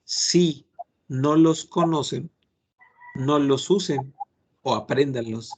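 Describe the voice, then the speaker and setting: A man's voice: mid-range voice, takes it slowly, husky. A man, a French teacher lecturing his class in an earnest, admonishing way, giving many examples.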